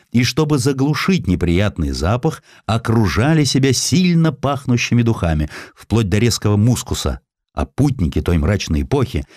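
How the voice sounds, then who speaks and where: A man's voice: on the low side, a little mellow, no room sound, clean studio sound. A man narrating a historical essay as a scripted audiobook, reading expressively and acting out the quotes.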